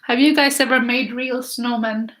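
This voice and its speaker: A woman's voice: a little high, fairly even intonation, normal speed, fairly bright tone. A woman, teaching a casual live painting class, thinking aloud in short phrases as she works and chatting with viewers. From Finland. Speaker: art teacher.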